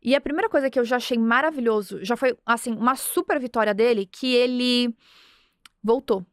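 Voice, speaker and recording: A high-pitched woman from Brazil in her thirties tells a personal story as a podcast host. She speaks earnestly and with animation, slipping into the voices of the people in her story. The sound is dry and close, with no room echo. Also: a little fast. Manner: earnest, animated, acts out dialogue. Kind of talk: motivational storytelling.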